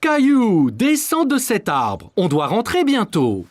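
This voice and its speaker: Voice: medium pitch, wildly swooping pitch, takes it slowly, no echo, full character voice. An actor playing a kind, reassuring father in a children's cartoon. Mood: fatherly. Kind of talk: cartoon voice acting.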